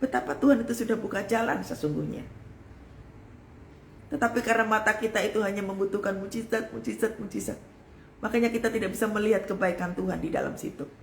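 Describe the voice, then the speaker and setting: A woman pastor delivers an emphatic, heartfelt sermon, addressing her listeners as "saudara". Her voice sits at an average pitch and swings from loud exclamation down to near-whisper. The recording rings with room echo over a faint background hum. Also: fast, gravelly. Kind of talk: live-streamed sermon. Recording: echoey room with faint ambient noise.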